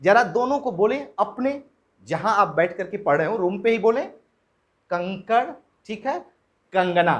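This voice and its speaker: A man giving a Hindi lesson in lecture style, asking his own questions and answering them, pausing to check in after each point. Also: high-pitched, lively intonation, lo-fi sound. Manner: drills example words slowly one by one. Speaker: Hindi teacher.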